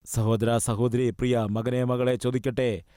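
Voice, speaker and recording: A man's voice: medium pitch, level tone, measured pace, warm tone, no room sound, studio quality. A man preaching a sermon, putting one question after another to his listeners and appealing to them earnestly.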